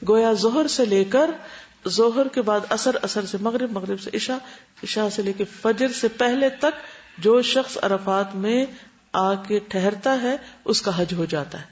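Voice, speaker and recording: Female religious teacher, explanatory lecture, asks quick check questions, muffled lo-fi sound. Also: medium pitch. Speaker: Islamic teacher. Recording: dull lo-fi recording.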